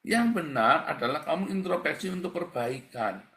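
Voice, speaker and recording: A man's voice: on the high side, lively intonation, moderate pace, a bit bright. A man preaching a livestreamed sermon as a pastor, in a conversational, blunt and colloquial way, often calling his listeners brothers and sisters. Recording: echoey room.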